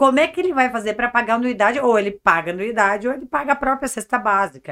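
With an ordinary speaking voice, a woman talks at a fairly quick pace in a fairly high pitch, her intonation lively. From Brazil, Mato Grosso do Sul (Dourados). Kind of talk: interview.

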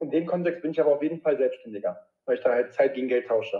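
A man's fairly high voice, with ordinary pitch variation, races along at a very fast pace. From North Rhine-Westphalia, Germany. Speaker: real estate investor and entrepreneur. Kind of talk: interview.

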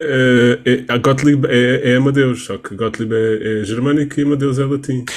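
An unremarkable speaking voice from a man, medium in pitch, with fairly even intonation, a fairly slow pace and hardly any pauses. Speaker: podcast host. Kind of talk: casual chat.

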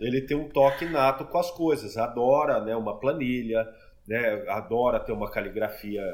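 At a moderate pace, a man with a normal speaking voice talks at medium pitch. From Brazil, Goiás (Goiânia). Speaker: enneagram teacher and therapist. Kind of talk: podcast interview explaining personality types.

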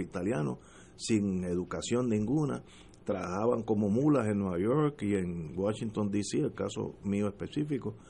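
In a dark, mellow tone, a man speaks at a fairly slow pace with lively intonation. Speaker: radio host, former intelligence officer. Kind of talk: political panel discussion.

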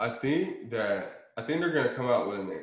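A somewhat breathy male voice is heard with audible room echo around it. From Tampa, Florida. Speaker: sports agent. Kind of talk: interview.

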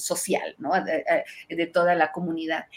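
In an animated tone, a woman talks at a moderate pace with a somewhat breathy quality. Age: 50s. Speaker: designer and entrepreneur mentor. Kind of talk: interview conversation. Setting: video call.

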